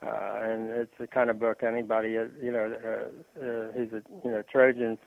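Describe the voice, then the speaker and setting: A man talking sports on a radio show, halting and full of fillers and restarts. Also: lowish voice, little pitch movement, vocal fry, no room sound. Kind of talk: rambling sports talk on phone. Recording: tinny phone line.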